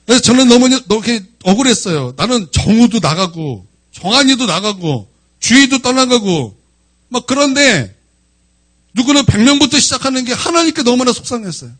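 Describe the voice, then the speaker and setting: A man in his forties, a pastor preaching a sermon, telling personal stories with emotional swings between loud outbursts and quiet asides. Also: very high voice, very animated, brisk.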